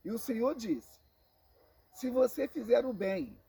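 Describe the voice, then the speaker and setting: Brazilian male preacher, slow deliberate delivery, gravelly fry in the voice, repeats for emphasis. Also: extremely high pitch, very animated, dark tone. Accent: Brazilian Portuguese. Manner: slow emphatic preaching, repeats phrases, addresses listeners as brothers. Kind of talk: Bible teaching sermon.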